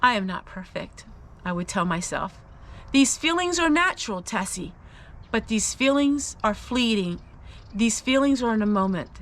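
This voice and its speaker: A woman's voice: fairly high pitch, expressive, moderate pace, a bit bright. A woman sharing a personal Christian testimony, speaking in an earnest, confiding and emphatic way as she encourages listeners. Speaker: host of a faith-based personal vlog.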